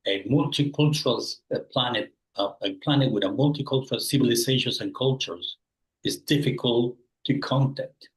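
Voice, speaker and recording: A man's voice: mid-range voice, normal speed, low-quality recording. A man in his sixties from Peru, answering interview questions and rephrasing as he searches for words. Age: 60s. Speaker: guest.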